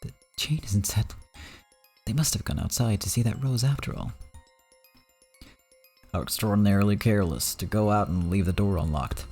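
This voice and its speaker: A man's voice: on the low side, normal speed, long pauses, darkish tone, breathy edge, soft background music. A man voicing a stern, disdainful middle-aged woman who runs the house.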